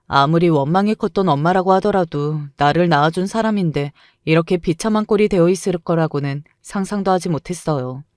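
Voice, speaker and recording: A woman's voice: on the low side, darkish tone, no echo, studio quality. A woman narrating a first-person dramatic true story with emotional, indignant delivery.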